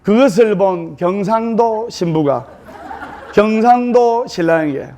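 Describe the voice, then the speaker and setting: A man, a Buddhist monk with a Gyeongsang accent, telling jokes in a dharma talk with slow, deliberate pauses. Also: high voice, warm tone, slight background noise. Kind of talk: humorous dharma talk to an audience.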